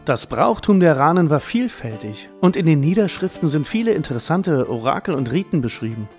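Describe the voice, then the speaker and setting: A man's voice: on the high side, very animated, a little fast, darkish tone, soft background music. A man narrating scripted history in a documentary storytelling style.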